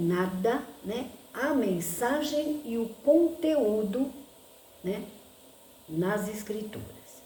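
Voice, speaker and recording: Speaking at a very slow pace with very wide pitch swings, a woman is heard amid noticeable background noise and audible room echo. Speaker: vlogger. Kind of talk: casual chat. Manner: loud; talkative, filler-heavy.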